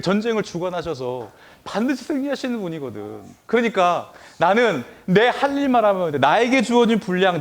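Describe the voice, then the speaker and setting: A man voicing a young shepherd boy who calmly accepts he may die, in a sermon. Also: high voice.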